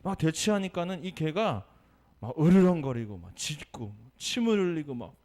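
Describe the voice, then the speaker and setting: A male pastor giving a Sunday sermon, telling a story with lively energy and asking the congregation questions. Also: on the high side, normal speed. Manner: animated storytelling, acting out quotes.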